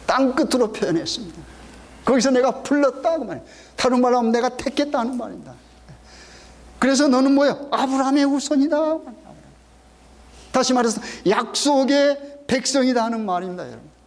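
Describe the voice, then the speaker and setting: High-voiced pastor preaching with questions. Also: male voice, a little fast. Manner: call-and-response questioning, emphatic. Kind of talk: sermon. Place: church sanctuary.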